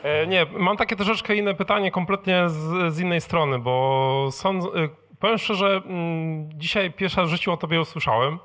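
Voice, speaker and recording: A man in an audience putting a spontaneous question, hesitant and halting, often breaking off his sentences. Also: fairly high pitch, a bit bright. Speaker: audience member asking a question. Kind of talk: spontaneous question at a live event.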